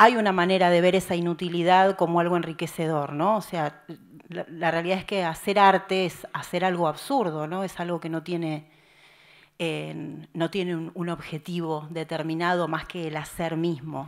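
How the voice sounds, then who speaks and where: A woman with an unremarkable speaking voice talks at a moderate pace and a fairly low pitch, with fairly even intonation over a quiet background. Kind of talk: panel talk. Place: hall. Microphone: handheld.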